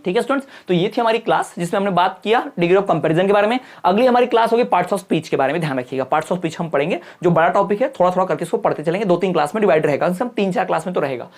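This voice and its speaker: A man's voice: high voice, lively intonation, very fast, few pauses. Guy teaching grammar online, keeps asking the class stuff then answering it himself, lots of repeating. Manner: asks questions then answers them, repeats words, keeps checking with "है ना". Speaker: online exam-prep English teacher. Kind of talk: lecture in Hindi explaining grammar.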